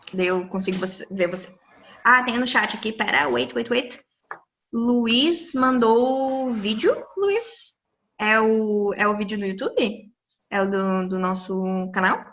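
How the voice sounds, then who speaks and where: Bright-voiced woman teaching online. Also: fairly high pitch. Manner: lively, encouraging, explains step by step. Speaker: English teacher. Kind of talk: live online class, answering student questions. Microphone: computer mic on a video call.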